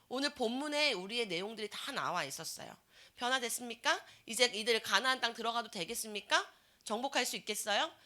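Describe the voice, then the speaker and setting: A woman's voice: on the high side, pushed and bright. A woman preaching a sermon to a church youth group, asking the teenagers many questions and acting out the people she describes. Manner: acts out complaining voices in quotes.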